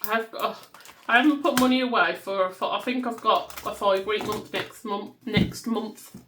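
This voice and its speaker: A woman's voice: mid-range voice, moderate pace, noisy background. A woman in her thirties with a Black Country accent, chatting casually and counting banknotes aloud at her desk at home. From West Midlands, England. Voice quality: loud voice. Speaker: budgeting vlogger. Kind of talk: casual chat while counting cash.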